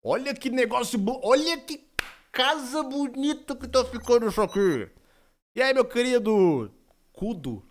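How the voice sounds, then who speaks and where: A young Brazilian man with a Brazilian Portuguese accent and a fairly high voice chats loosely on a live stream. He jokes, rambles and answers his chat aloud into a desk microphone in a small room. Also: expressive, a little slow, a little hiss or hum. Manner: playful, joking, reads chat aloud, rambling. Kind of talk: casual live-stream chat while gaming.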